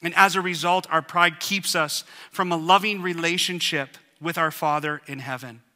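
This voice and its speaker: Male pastor, high voice, very bright and forceful, earnest sermon, long church reverb. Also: fairly even intonation. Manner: earnest, measured preaching.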